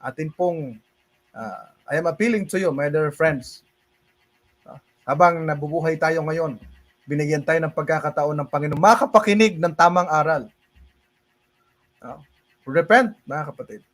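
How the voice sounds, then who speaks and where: A high-pitched male preacher with a Filipino accent delivers a casual livestream sermon. He slides between Tagalog and English, laughing easily and warmly addressing his listeners as brothers and sisters. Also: moderate pace, long pauses. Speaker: pastor.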